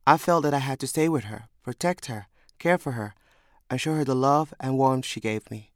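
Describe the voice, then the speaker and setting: A young man from Somalia reads a scripted first-person memoir in a measured, reflective way. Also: mid-range voice, no echo, studio quality. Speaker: storyteller.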